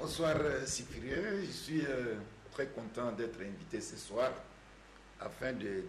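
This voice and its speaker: Heard with audible room echo, a man at a medium pitch speaks at a very slow pace with lively intonation. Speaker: TV panelist. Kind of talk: TV panel debate.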